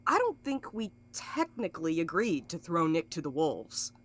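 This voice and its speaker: A low female voice with big swings of pitch from an actress gives an audio drama a cynical, mercenary schemer. She is blunt and wry, with folksy turns of phrase. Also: big pitch swings, normal speed, breathy edge. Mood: scheming. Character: cynical, mercenary, sharp-tongued woman schemer.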